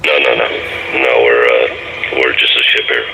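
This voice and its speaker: Gravelly man over crackly marine radio. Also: a bass voice, little pitch movement, unhurried. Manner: hesitant, with many "uh" fillers. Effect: heard over a marine VHF radio. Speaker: ship crew answering a radio check.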